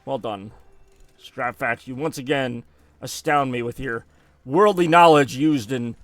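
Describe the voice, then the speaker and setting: With a measured pace and a mid-range voice, an American man chats and rambles while streaming a game, often correcting himself and reacting to his deaths. The recording is dry, and faint music sits behind him.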